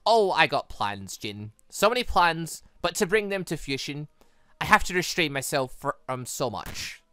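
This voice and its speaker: A man voicing a menacing, manipulative young woman villain in a visual novel, deliberate and coolly playful. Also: on the high side, sing-song, sharp tone, clear, resonant tone, dry recording, heavily acted. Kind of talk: visual novel character read-aloud.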